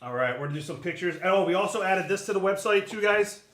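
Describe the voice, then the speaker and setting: A man hosting a live autograph stream, pitching items to viewers with upbeat salesman patter. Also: animated, fast, fairly bright tone, reverberant. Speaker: host of a signing stream.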